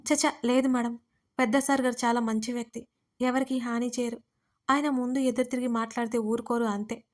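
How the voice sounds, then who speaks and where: A woman voicing a frightened, tearful young servant woman who pleads in a hushed, urgent way in an audio story. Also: fairly high pitch, little pitch movement, fairly quick, natural voice. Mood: pleading.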